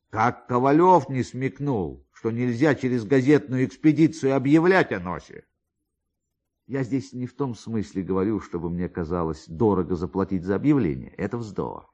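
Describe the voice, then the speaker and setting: A man narrating literary prose for radio in a theatrical manner, with emphatic pauses and drawn-out words. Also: deep voice, darkish tone, highs cut off.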